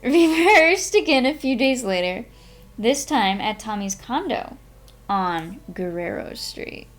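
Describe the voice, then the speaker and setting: Slow-paced woman reading a memoir aloud. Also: a little high, lively intonation. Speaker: streamer reading a book aloud. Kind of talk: live read-aloud of a memoir, narration.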